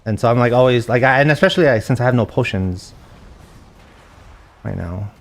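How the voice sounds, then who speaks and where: A soft-spoken young man chatting casually while live-streaming a game, reading chat aloud and thinking out loud with a gentle voice. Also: mid-range voice, brisk, vocal fry.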